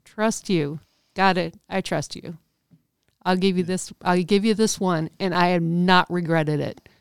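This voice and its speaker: A woman's plain, everyday voice, fairly low in pitch, with fairly even intonation and a fairly slow pace. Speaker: podcast co-host. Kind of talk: casual chat.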